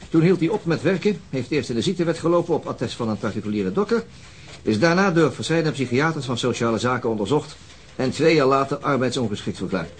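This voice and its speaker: An actor playing a terse, brooding police detective in charge, in a radio crime drama. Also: male voice, medium pitch, lively intonation, fast talker, a little hiss or hum, natural voice. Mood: businesslike.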